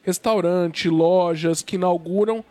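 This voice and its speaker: A man's voice: high voice, a little slow, dark tone, no echo. A man hosting a live interview with a cold that makes his voice a bit nasal, talking hesitantly with many restarts. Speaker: host of a live show.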